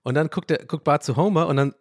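A man hosting a podcast, talking in a rambling, animated way, often interrupting himself and laughing. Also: on the high side, fast, no echo, studio quality. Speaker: podcast host. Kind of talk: casual podcast monologue.

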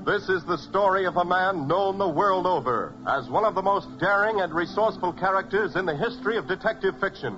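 A man's voice: high voice, a little fast, few pauses, over music. An American man announcing in polished, emphatic 1940s radio style, as if selling every phrase. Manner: dramatic, emphatic, polished salesmanship. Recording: muffled 1940s radio recording.

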